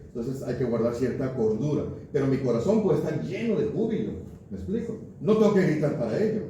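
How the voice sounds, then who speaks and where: A man's voice: on the high side, warm tone, a little hiss or hum. A man preaching a sermon in a conversational style, often asking his listeners rhetorical questions. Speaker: pastor. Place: church hall. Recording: far-off mic in an echoey church.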